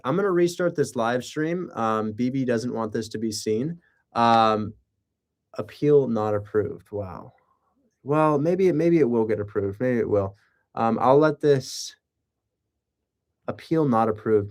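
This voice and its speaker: A live streamer who works as a real estate wholesaler chats casually on his livestream, rambling with sarcastic asides and rhetorical questions. His voice is medium-pitched and darkish, with vocal fry.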